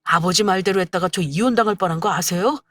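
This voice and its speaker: A woman's voice: lowish voice, quick pace, fairly bright tone, dry recording, studio quality. Woman voicing young husband, defensive, pleading, story drama, faint music.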